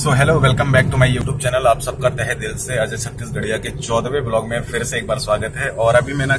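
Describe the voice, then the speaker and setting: A man speaks at a moderate pace with hardly any pauses. Loud background noise fills the recording. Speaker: vlogger. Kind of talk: casual vlog chat. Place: car. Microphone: phone near.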